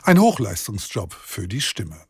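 A man hosting a radio news program with clear, measured moderation. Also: on the low side, very animated, darkish tone, dry recording, studio quality. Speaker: radio show host.

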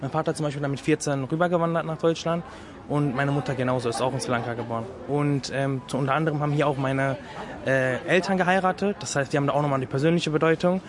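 A young man in his twenties talks fast and a little high, filling gaps with ums. A loud crowd chatters around him outdoors. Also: fairly even intonation. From Germany. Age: 20s. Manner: quick, filler-heavy talk. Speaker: interviewee. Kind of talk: casual interview.

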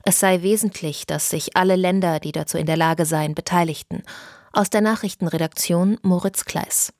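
Lady newsreader, lowish voice, dry studio sound, steady even reading. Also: no room sound. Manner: measured, even delivery. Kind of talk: radio news reading. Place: radio studio. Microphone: studio microphone.

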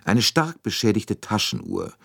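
A man's voice: wildly swooping pitch, a little slow, creaky, a bit bright, slightly rough, heavily acted. A man voicing a fussy, shrewd older Belgian detective who speaks precisely and probes politely. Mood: formal address. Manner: precise, politely probing, rising pitch.

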